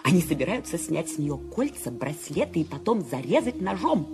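An actress playing a nervous, demanding bedridden woman in a radio play, shrill and fretful. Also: big pitch swings, normal speed, over music. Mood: anxious. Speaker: Mrs. Stevenson. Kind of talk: Soviet-era radio play acting.

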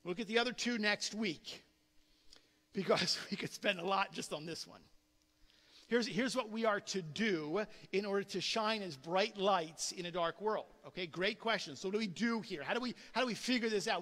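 A man's voice: high-pitched, moderate pace, bright, forceful tone, big-room sound. A male pastor giving a conversational sermon, often repeating words and acting out quoted voices. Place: church sanctuary.

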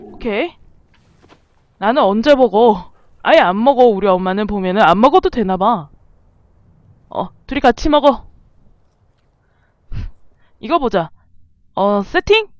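This game streamer is a woman with an expressive, mid-range voice who speaks a little slowly, with long pauses. The recording is dry and dull-sounding, and she casually talks to the animals in the game as she plays.

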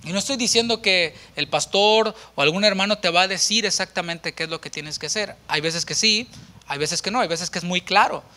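A man, a pastor preaching a sermon to an empty church with animated rhetorical questions. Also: high voice, brisk. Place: church without a congregation.

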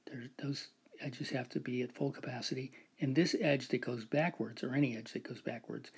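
Husky man explaining a math proof. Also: mid-range voice, steady tone, moderate pace. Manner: explains step by step, often adds "right?" and "so". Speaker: lecturer. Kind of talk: recorded whiteboard math lecture.

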